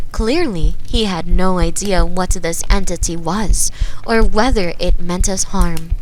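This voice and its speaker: A young woman gently reading a creepy bedtime story aloud, soft and soothing, sometimes dropping to a whisper, recorded on a binaural mic. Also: mid-range voice, poor audio. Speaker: ASMR storyteller.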